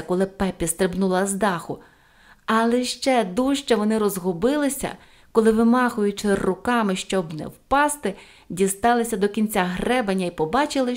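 Female audiobook narrator, expressive, lively storybook reading. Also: mid-range voice. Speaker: audiobook reader.

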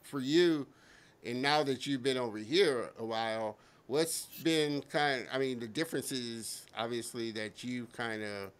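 A man's voice: mid-range voice, a little slow, clean tone. A man in his fifties hosting a live-streamed interview from a home studio, talking enthusiastically and repeating words. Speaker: host. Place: home studio with colorful lighting. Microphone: studio mic on boom arm.

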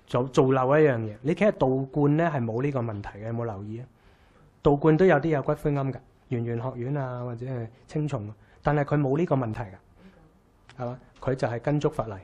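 A man's voice: mid-range voice, a little mellow, dull audio. A man in his thirties with a Hong Kong Cantonese accent gives a casual, wry lecture in a small room, full of rhetorical questions.

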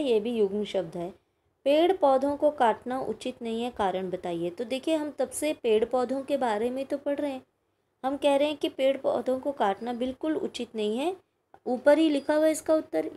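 A woman's voice: on the high side, warm tone. A woman teacher giving a recorded grammar lesson to young pupils, patient and explaining step by step with frequent checking questions. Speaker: school teacher.

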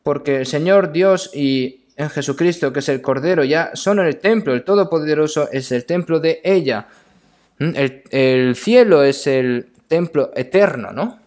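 Man preaching in halting phrases. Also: a little high, darkish tone. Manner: halting, repeats phrases, often adds questioning tags. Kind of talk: sermon with scripture reading.

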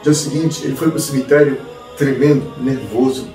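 A man's voice: medium pitch, normal speed, dark tone. A man with a Brazilian Portuguese accent, a rabbi telling a story dramatically with rhetorical questions. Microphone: distant mic. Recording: roomy, distant mic, faint music.

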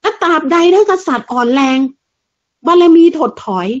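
A woman's voice: very high-pitched, lively intonation, moderate pace. A woman giving a fiery, blunt political monologue, crude and mocking, full of rhetorical questions. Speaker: political commentator. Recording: dull lo-fi sound.

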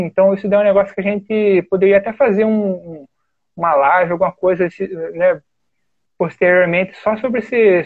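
A man's voice: high-pitched, dry recording. A Brazilian man teaching an online lesson on Chinese characters, explaining step by step and pointing things out on screen with a frequent "né?". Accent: Brazilian Portuguese. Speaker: study group teacher. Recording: tinny phone-like online call audio.

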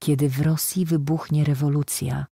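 A woman's voice: low-pitched, flat delivery, moderate pace, creaky, mellow, slight background noise. A woman reading a proud wounded young soldier. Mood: earnest. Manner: joking, then earnest and insistent.

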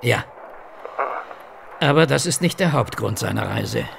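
A creaky, courteous, fussy gentleman. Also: mid-range voice, animated, exaggerated voice. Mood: courteous, confiding. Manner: polite, halting, formal. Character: courteous, fussy, hesitant Viennese gentleman informant. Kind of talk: German audio horror drama acting. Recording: faint background noise.

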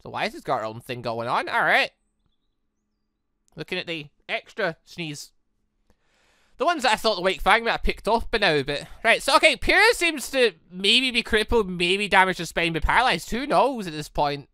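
A host reading a visual novel aloud with chatty commentary and quick reactions. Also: mid-range voice, big pitch swings, sharp tone, no echo, studio quality. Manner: chatty, reacts aloud and laughs at own slips. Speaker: let's-play host.

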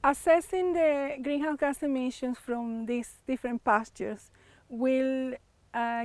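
A woman researcher explaining measurements outdoors in a pasture, steady with small hesitations. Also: on the high side, no echo. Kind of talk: on-camera explanation. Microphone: lapel mic. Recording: faint music underneath.

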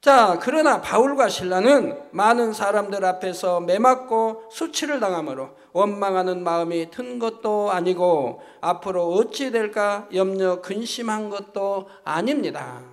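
Man, pastor, emphatic sermon, high-pitched voice, long hall reverb. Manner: emphatic preaching with repeated "이 말입니다" tags. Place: church sanctuary.

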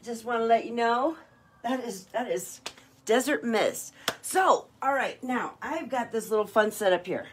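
A woman's voice: fairly high pitch, expressive, unhurried, slight background noise. A woman hosting a live online jewelry party, chatting and gushing over each piece as she shows it. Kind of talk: live-stream sales chat.

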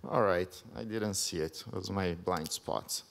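A man's voice: low-pitched, vocal fry, fairly bright tone, slight background noise. A man in his thirties from Brazil, speaking English with a Brazilian accent as a second language. He gives a careful conference presentation at a podium mic, with frequent ums. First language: Portuguese. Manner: measured, careful non-native English with many ums. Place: large conference hall, at a podium. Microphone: podium microphone.

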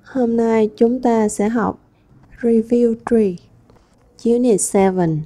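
A woman teacher who speaks slowly and carefully, with a soft, mellow tone. She reads each word or sentence aloud, then gives its meaning, step by step through a workbook lesson. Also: fairly high pitch, steady tone. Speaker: English teacher. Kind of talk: textbook lesson walkthrough.

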